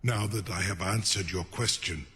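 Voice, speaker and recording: A man playing a proud, cunning ancient dragon in a fantasy game, with a deep gravelly voice and a formal, imperious manner. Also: sharp tone, in a large hall. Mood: grave, measured. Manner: slow, deliberate, formal and imperious. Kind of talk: fantasy video game acting.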